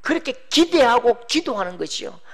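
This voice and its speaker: A middle-aged man preaches a lively sermon at a moderate pace, shouting for emphasis and acting out quoted voices. His voice is very high-pitched.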